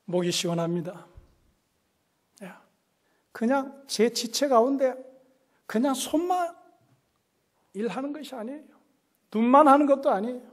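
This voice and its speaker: A man preaching a sermon as a pastor, emphatic and repeating key phrases, swinging between loud exclamations and hushed asides. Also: extremely high pitch, lively intonation, measured pace, long pauses. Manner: repeats key phrases and puts questions to the congregation. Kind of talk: Korean Protestant sermon. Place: church service.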